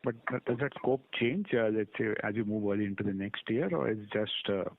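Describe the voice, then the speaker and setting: A man's voice: fairly low pitch, fairly quick, slight background noise. A man asking questions as an analyst on an earnings call, in hesitant, broken phrasing. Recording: thin phone-line call audio.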